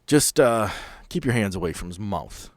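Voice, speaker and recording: A man playing a bossy but fond, wisecracking helicopter pilot in a tabletop game, giving brisk, bantering orders. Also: fairly low pitch, expressive, no room sound, clean studio sound. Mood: briefing, wry.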